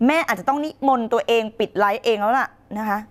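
A middle-aged woman coaching viewers on a live stream, animated and acting out what partners might say. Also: fairly high pitch, fast talker. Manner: animated, acts out quoted couples' lines, calls viewers child.

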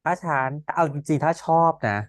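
A man's voice: fairly high pitch, fairly even intonation, normal speed, dry recording, studio quality. A man co-hosting a casual chat podcast, asking the questions and joking about the scenes. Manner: asks questions, wry and joking. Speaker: podcast co-host. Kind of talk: casual chat recapping a series.

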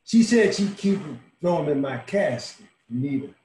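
A man's voice: expressive, unhurried, a little hiss or hum. An older man reading a monologue as a brash, crude dying man at a bar, over a video call. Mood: wry confiding. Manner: brash, loud outbursts, then low confiding. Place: home room. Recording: echoey video call room.

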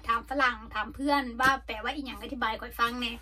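Isan-accented woman vlogger, middle-aged, high and bright, rambling casual chat from a sauna with coughs. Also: fairly even intonation, fast talker, a little hiss or hum. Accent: Isan Thai. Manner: chatty, rambling with frequent coughs.

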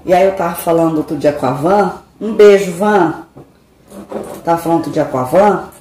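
A woman's voice: on the low side, moderate pace, dark tone. Middle-aged woman, confiding kitchen chat, echoey room with background noise. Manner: chatty, confiding, dramatic sighs. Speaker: vlogger. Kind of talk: casual chat. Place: home kitchen.

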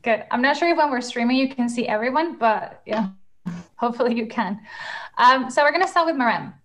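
A woman's voice: fairly high pitch, lively intonation, brisk, slight background noise. A young woman hosting a panel over a video call, upbeat and enthusiastic, with frequent fillers. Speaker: panel moderator. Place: home room, in England.

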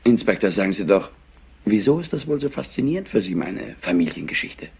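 A clever young heir in a crime radio play. The voice swings widely in pitch over a low, creaky register, with an evasive, superior manner. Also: male voice, very animated, a little fast, darkish tone, full character voice. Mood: guarded, haughty. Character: clever, slightly overwrought young nephew of rich industrialist.

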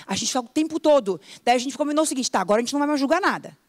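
A middle-aged woman coach, giving an animated motivational talk and acting out everyday complaints. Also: sits high, dry recording. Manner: animated, acts out complaints in quick mock voices. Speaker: coach and teacher.

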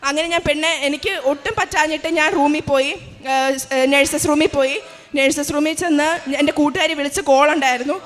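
With a voice that sits high and has a slight brightness, a young adult nursing student shares a heartfelt religious testimony. Long reverb from a large hall hangs over the recording.

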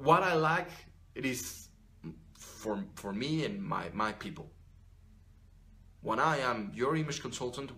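Man, 30s, image consultant, second-language English speaker, mid pitch; fired-up, profane straight-to-camera vlog rant from a small room. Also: a little hiss or hum. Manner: animated, blunt and profane, with many restarts and "you know". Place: small furnished room indoors.

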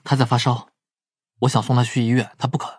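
An actor plays a caring police psychologist in an audio drama. He talks quickly in a husky, mid-pitched voice, sounding concerned. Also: level tone, a little mellow, no echo, close to an everyday voice. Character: caring male police psychologist, attentive friend. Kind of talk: Chinese audio drama acting.

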